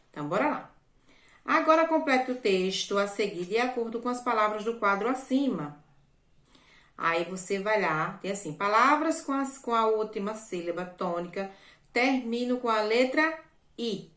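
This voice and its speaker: A woman's voice: on the high side, fairly bright tone, reverberant. A woman, a primary school teacher explaining a workbook lesson to children patiently, repeating herself and often checking "certo?".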